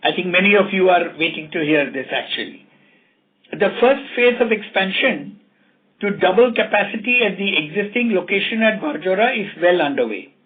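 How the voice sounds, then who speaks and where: A man with an Indian accent formally reading out financial results as a company executive, in a measured way, over a telephone conference call. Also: high-pitched, animated. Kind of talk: scripted financial results presentation. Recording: tinny narrow phone line.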